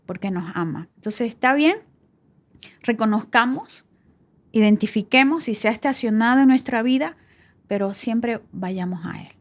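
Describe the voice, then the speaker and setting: A woman's voice: on the high side, animated, moderate pace. A woman co-hosting a Christian podcast, speaking earnestly and reflectively. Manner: earnest, reflective, often quoting God in voiced lines. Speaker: podcast co-host.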